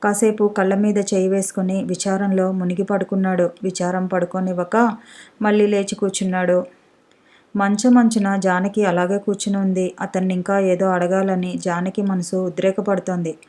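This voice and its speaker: A woman narrates a story in a steady, measured reading voice. Her tone is mellow and dark, and her pitch stays level. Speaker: audiobook narrator. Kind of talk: scripted narration.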